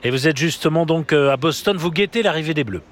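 A man's voice: a little high, expressive, fast talker. A man anchoring a live news broadcast from the studio, handing over to a reporter with wry remarks.

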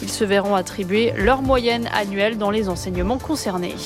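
A woman reading a radio news bulletin at a steady pace. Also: mid-range voice, moderate pace. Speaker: news reader. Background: music bed.

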